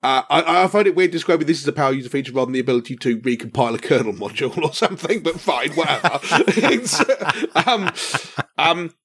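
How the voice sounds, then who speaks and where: A man with a high, lively voice that swings widely in pitch. He co-hosts a casual tech podcast, joking wryly and laughing often. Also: fast, slightly rough. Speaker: podcast co-host.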